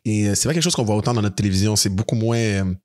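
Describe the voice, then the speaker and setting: A man's voice: lowish voice, rapid-fire, a little mellow. A man from Quebec with a Québécois French accent, co-hosting a podcast in a teasing, casual chat that mixes in English words. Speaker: podcast co-host.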